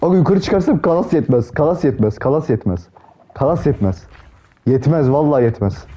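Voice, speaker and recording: A man's voice: on the high side, expressive, a little fast, mellow. A young man giving casual gameplay commentary, swearing a lot and panicking in repeated pleas. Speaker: gameplay streamer.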